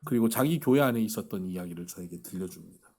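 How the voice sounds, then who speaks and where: A male preacher with a low, fast, breathy-edged voice tells stories throughout his sermon, bringing them to life by imitating the voices of those he describes.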